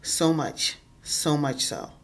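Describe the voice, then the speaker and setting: This woman vlogger talks slowly in a low-pitched voice, earnestly addressing her phone with casual motivational remarks. She's audibly congested, with frequent ums and repeated words.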